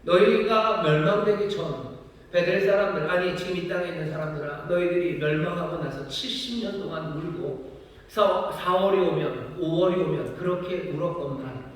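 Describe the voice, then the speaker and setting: A man pastor preaching a sermon with passion, often voicing God's rebukes as pointed questions. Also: high voice. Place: large church sanctuary. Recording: echoey hall, distant mic.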